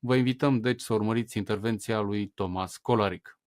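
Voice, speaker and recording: A man hosting a show, reading a scripted introduction in a brisk announcer's delivery. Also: lowish voice, steady tone, no echo, studio quality. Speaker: show host.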